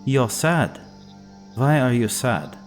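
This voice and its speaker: A man's voice: medium pitch, sing-song, slow, soft background music. A man voicing a sly young male stranger who talks in a smirking, coaxing way. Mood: probing. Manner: smirking, coaxing, quietly persuasive.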